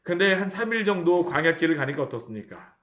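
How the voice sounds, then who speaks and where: A man preaches a sermon with a slightly raised pitch, throwing rhetorical questions at his listeners. He brings the sermon to life by acting out the people he talks about. His voice rings through a reverberant church room. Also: fast, muffled recording. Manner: animated, acts out the people he describes. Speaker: pastor. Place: church sanctuary.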